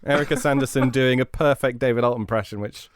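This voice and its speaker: Male co-host, mid-pitched, very dry recording. Casual, wry, encouraging. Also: fast talker, dry recording. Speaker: podcast co-host and voice actor. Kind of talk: casual chat.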